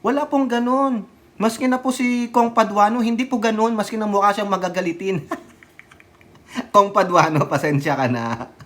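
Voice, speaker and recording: Man, high voice, casual vlog commentary, mocking, taunting, laughs a lot, switches into English. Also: moderate pace, a bit bright. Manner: mocking, taunting, mixes English into his talk; laughs often between remarks. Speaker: political commentary vlogger.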